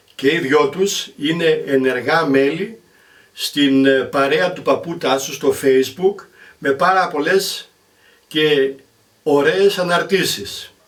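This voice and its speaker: At a very slow pace, a man talks in a fairly high pitch with ordinary pitch variation. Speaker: cooking channel host. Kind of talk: cooking tutorial.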